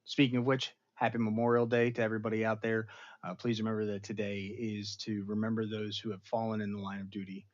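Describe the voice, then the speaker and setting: A man hosting an online show, casually recapping a television episode for his live chat in an animated, storytelling manner with sudden dramatic outbursts. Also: fairly low pitch, fast talker, dull audio. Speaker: show host reviewing an episode.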